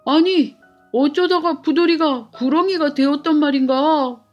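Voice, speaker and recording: A woman voicing an earnest, loyal gentleman scholar in a children's folktale, with expressive old-fashioned speech. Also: sits high, unhurried, highs cut off, soft background music, voice pushed up. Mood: shocked. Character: earnest young scholar turned official, loyal to friends. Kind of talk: children's storybook character voice.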